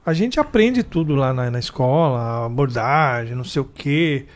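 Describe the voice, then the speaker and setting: A man in a casual chat, telling stories from his past and acting out other people's voices with big jumps in pitch. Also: expressive, moderate pace.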